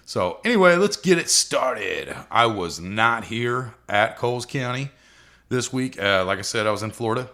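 A man who races cars, hosting his own podcast in loose, rambling casual talk, his voice scratchy and rough today. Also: mid-range voice, lively intonation, moderate pace, pushed and bright. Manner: loose, rambling, frequent fillers. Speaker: podcast host and drag racer.

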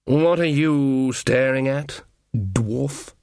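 A man voicing a huge, weary, lordly antlered god with a smooth, rich voice and a slow, condescending drawl, in a storybook reading. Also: medium pitch, a little mellow, no room sound, clean studio sound, faint music behind. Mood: weary menace.

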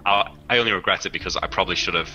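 A British man talks through his turn in a tabletop game, casual and a little scattered, with the odd swear word. His voice sits very low yet has a strikingly bright, cutting edge. Soft music hums faintly behind. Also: very fast, highs cut off. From United Kingdom. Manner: chatty, casual, swears freely, trips over his words. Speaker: player. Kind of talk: livestreamed tabletop game chat.

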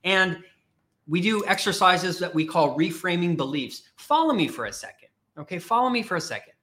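A man's voice: high-pitched, animated, normal speed, bright, forceful tone. A man speaking as a career coach in a blunt, emphatic motivational talk, repeating his points.

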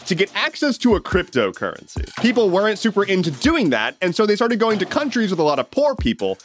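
A sarcastic American man in his thirties runs through the day's news in a high, lively voice that swings all over the place. He talks casually and drops dry, opinionated asides. Faint music plays underneath. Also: fairly quick. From United States. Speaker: news commentary host. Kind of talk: casual daily news commentary.

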